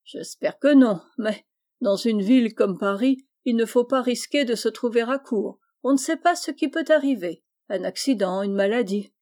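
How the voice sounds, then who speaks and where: A woman's voice: a little high, moderate pace, warm tone, close to an everyday voice. A woman reading the part of a hearty, generous older male farmer in a storybook, jovial and exclaiming.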